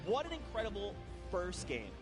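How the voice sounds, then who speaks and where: High-voiced excitable male esports caster. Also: moderate pace, music in the background. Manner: excitable, shouting at big plays. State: straining his voice. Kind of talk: live play-by-play commentary. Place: live arena event.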